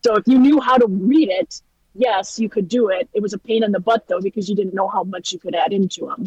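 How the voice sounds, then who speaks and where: This is an ordinary speaking voice from a woman at a medium pitch with ordinary pitch variation. She moves at a fairly quick pace in a dry, close sound with no echo. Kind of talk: casual chat.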